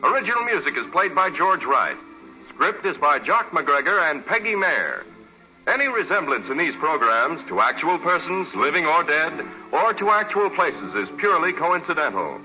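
Vintage male announcer: scripted, sharp and forceful, dull band-limited radio sound with music. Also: on the high side, sing-song, moderate pace.

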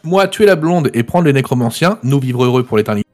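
A man's voice: medium pitch, animated, fast talker, a little mellow, soft background music, natural voice. A man voicing a dim, boastful male barbarian warrior who talks in broken caveman grammar.

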